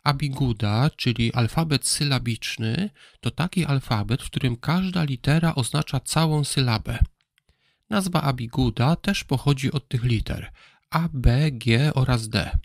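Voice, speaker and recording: Male presenter, gravelly mid-pitched voice, calm scripted explainer, dry close sound. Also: no echo. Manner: calm explanatory, spells out letters slowly. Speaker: presenter of a Bible history program. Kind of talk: scripted educational narration.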